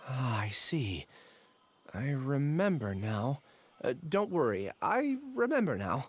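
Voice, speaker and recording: Troubled young scholar, very expressive. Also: male voice, medium pitch, slow pace, music in the background. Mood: reassuring. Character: gentle, troubled young male scholar, evasive and apologetic. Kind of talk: anime-style video game voice acting.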